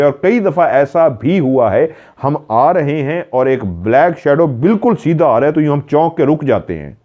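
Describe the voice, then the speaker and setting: A man narrating a paranormal story as a retelling, mimicking the voices of the people in it by raising his voice. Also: mid-range voice. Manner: dramatic retelling, mimicking calls in a raised voice. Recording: dull lo-fi sound.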